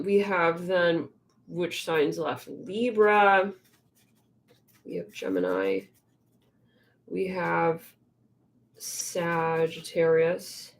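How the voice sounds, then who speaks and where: A young woman rambles through a casual live tarot stream, stopping and restarting with plenty of fillers. Her voice is a little congested. She often drops into quiet murmurs to herself between thoughts. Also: lowish voice.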